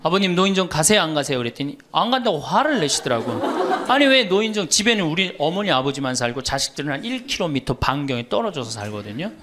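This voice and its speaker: A man's voice: on the high side, very animated, fast talker, background noise. A middle-aged man, a Catholic priest, giving a humorous lecture and telling stories to an audience. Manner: storytelling, quoting others, teasing the audience.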